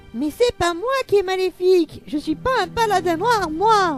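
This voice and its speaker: Faint music plays in the background as someone speaks at a moderate pace in a put-on character voice. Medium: audio drama. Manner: whiny, hesitant, stammering 'mais, euh'.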